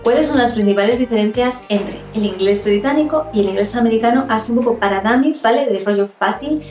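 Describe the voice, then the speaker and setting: A woman's voice: on the high side, fairly quick, darkish tone, roomy sound, faint music behind. A woman teaching English pronunciation, explaining and demonstrating sounds and often checking in with the listener. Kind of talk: explanatory lesson.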